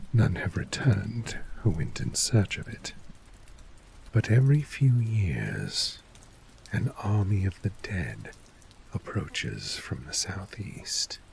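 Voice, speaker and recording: A man playing a cynical, world-weary fort official in a soft-spoken ASMR fantasy role play, measured and sardonic, sometimes dropping toward a whisper. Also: on the low side, sing-song, vocal fry, a little hiss or hum, full character voice, rough recording. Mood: grim, wry.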